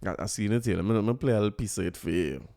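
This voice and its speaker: A man's voice: fairly low pitch, expressive, racing, vocal fry, dark tone. A man with a Trinidadian accent hosting a podcast, talking casually and joking with frequent laughs and repeated words. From Trinidad and Tobago. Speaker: podcast host. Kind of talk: casual solo commentary.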